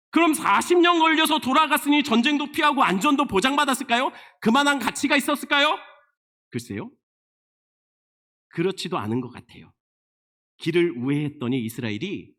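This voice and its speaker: A male pastor delivers a sermon in a strikingly high, sharp and bright voice. He fires rhetorical questions at his listeners and keeps falling into a low, quiet register to land each point. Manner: emphatic preaching with rhetorical questions, often sinking to a low, quiet voice. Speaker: senior pastor.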